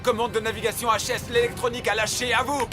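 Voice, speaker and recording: A tense pilot reports over a cockpit headset radio in clipped procedural phrases. He speaks high and fast. A loud music score runs beneath him. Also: level tone. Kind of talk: dubbed film acting.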